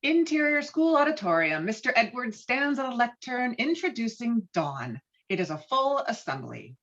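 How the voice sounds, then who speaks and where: A woman's voice: fairly high pitch, sing-song, normal speed, a bit bright, highs cut off. A woman reading screenplay stage directions as scripted narration, on video-call audio.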